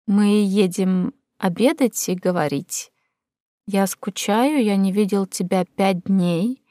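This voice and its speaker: A woman voicing a slow, insistent foreign lover. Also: sits high, mellow, no room sound, clean studio sound. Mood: insistent tender. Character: foreign man in love, insistent, firm.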